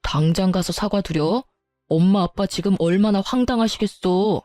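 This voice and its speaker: A woman's voice: mid-range voice, moderate pace, dark tone, no room sound, faint music behind, close to an everyday voice. A woman voicing a defensive husband who scolds his wife. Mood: reproachful.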